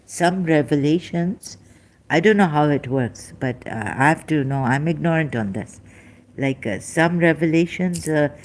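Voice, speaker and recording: A speaker in their fifties from Pakistan, rambling on a livestream in a weak, tired voice, halting and restarting often. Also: medium pitch, darkish tone. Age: 50s. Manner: halting, with many restarts and fillers.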